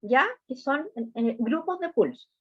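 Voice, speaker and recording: A woman's voice: sits high, lively intonation, unhurried, dry recording, dull audio. A woman music teacher giving a lesson, explaining step by step and often checking that her students follow. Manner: patient step-by-step explaining, often checking understanding with short questions. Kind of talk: online class lesson.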